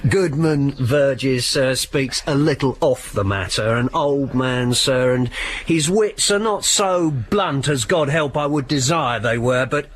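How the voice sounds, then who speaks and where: A man's voice: mid-range voice, slow, a little hiss or hum, lightly acted. An actor playing a self-important, bumbling constable who muddles his words in a Shakespeare audio play. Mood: pompous. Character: pompous bumbling male constable.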